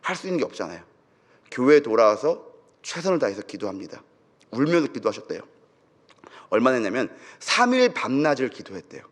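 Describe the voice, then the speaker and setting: A man's voice: medium pitch, very animated, a little fast, long pauses. A young adult man, a pastor, telling a story in a sermon with dramatic feeling. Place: church sanctuary. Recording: church hall with long reverb.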